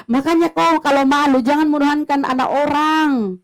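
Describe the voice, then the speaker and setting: A woman's voice: high voice, fairly even intonation, moderate pace. A woman arguing in a heated religious debate, mocking and confrontational, hammering the same points. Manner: mocking, confrontational, repetitive jabs.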